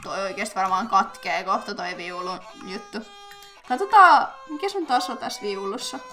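Lively young woman narrating a game. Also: medium pitch, soft background music. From Finland. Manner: chatty, thinks aloud with filler sounds, bursts of excitement. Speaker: gaming YouTuber. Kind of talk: casual let's-play commentary.

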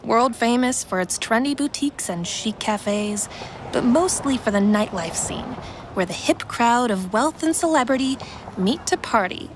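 A woman narrating an audio drama in a measured, theatrical, scripted storytelling style. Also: fairly high pitch, animated, background noise.

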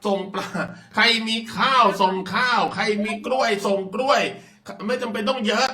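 Lively high-voiced male talk show host. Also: normal speed, roomy sound, distant mic. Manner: playful, teasing, laughing along. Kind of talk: casual talk show chat.

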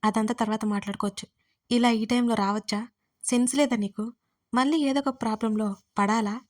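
A woman's voice: fairly high pitch, fairly even intonation, fairly quick, a little mellow, lightly acted. A woman voicing a stern young male college lecturer in an audio story, speaking in a scolding, curt way.

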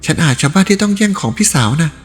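A man voicing a gentle, shy young woman in a novel reading, speaking in a high, soft, pleading voice. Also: animated, very fast, natural voice. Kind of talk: audiobook novel voice acting. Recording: reverberant room with faint music.

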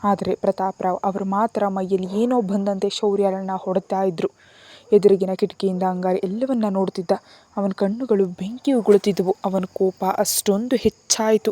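A woman narrating a story in a steady, even storytelling manner. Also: medium pitch, no echo.

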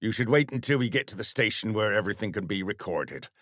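A man voicing a smug police sergeant who speaks in a formal, pompous, measured way. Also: low voice, sharp tone, no echo, clean studio sound, heavily acted.

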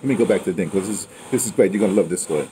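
A man in his sixties with an American accent, chatting casually and telling stories in a digressive, animated way. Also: low-pitched, rapid-fire. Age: 60s. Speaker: host of an audio memoir channel. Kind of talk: casual storytelling chat. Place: outdoors on a patio in daylight. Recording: outdoor ambient noise.

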